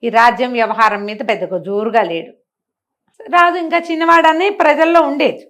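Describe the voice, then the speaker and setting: Older female storyteller, lively and conversational, voice on the high side. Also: normal speed. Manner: chatty, animated, laughs and comments on the story. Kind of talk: oral storytelling with asides.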